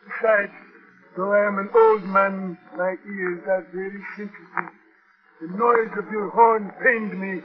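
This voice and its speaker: A man's voice: high-pitched, fairly even intonation, measured pace. An actor playing a proud, mysterious old Haitian man in a 1940s radio drama, speaking formally and cryptically. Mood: proud, reproachful. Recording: muffled old radio recording.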